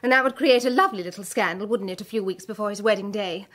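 A woman's voice: mid-range voice, fast, fairly bright tone, lightly acted. An actress playing a brazen young female jewel thief in a radio drama, bold and sardonic. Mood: scornful, brazen.

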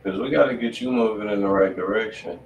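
A low-voiced man runs a live music review stream, talking loose and slangy. He sounds set back from the mic in a roomy home studio, with a faint hiss underneath. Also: fast, vocal fry, muffled recording. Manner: laid-back street slang, loose and conversational. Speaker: radio stream host reviewing submitted music. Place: home studio room at a desk. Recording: roomy and distant with faint noise.

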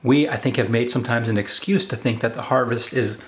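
A man's voice: mid-range voice, a little fast. A man in his forties speaking as a preacher, earnest and emphatic, repeating phrases to drive his exhortation home. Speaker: preacher, video host. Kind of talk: sermon-like exhortation to camera. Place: home study with bookshelves, indoors.

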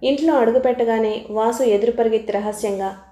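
A woman narrating an audiobook novel in a steady, even manner. Her voice is fairly high and mellow, and the recording has a roomy echo. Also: fairly quick. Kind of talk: reading a novel aloud.

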